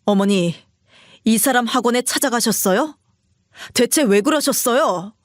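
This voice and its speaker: A woman's voice: on the high side, expressive, measured pace, dry recording, studio quality. A woman voicing a weary, strained grown man who pleads with his mother in a subdued way.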